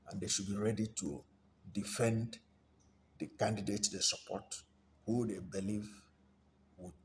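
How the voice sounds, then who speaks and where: Nigerian male commentator, lowish voice, deliberate and halting off-the-cuff delivery, noticeable background noise. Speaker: political commentator. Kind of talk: unscripted political commentary. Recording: steady background noise, room ambience.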